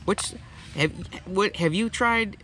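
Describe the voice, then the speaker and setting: A man's voice: sits high, slow, bright, forceful tone. Casual man in his thirties, faint noise. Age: 30s. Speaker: host. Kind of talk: casual vlog chat.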